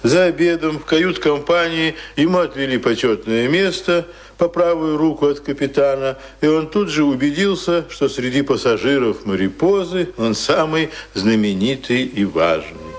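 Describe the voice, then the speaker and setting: A man's voice: on the high side, lively intonation, normal speed, few pauses. A man narrating a radio drama in a scripted, literary storytelling style. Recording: radio play, loud music under voice.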